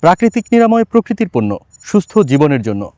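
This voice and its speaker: A man's voice: high voice, sing-song, quick pace, darkish tone, dry recording. A man reading a scripted product advertisement as a voice-over artist.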